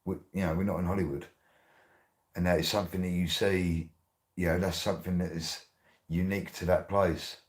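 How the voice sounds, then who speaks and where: A man, hosting his radio show in a rambling, excitable way, laughing often. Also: deep voice, a little fast. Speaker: radio host. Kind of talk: casual monologue.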